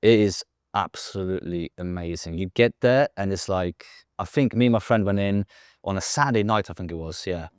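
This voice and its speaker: A man guesting on a podcast, relaxed and casual, swearing and leaning on fillers like "you know". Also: sits low, fairly quick, smooth, dry recording, clean studio sound. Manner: laid-back, profane, lots of fillers. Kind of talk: casual chat.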